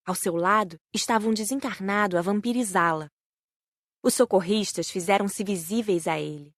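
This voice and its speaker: A woman's voice: mid-range voice, no echo. Brazilian woman narrating, dry and close. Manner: measured storytelling. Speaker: audiobook narrator. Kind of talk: scripted narration.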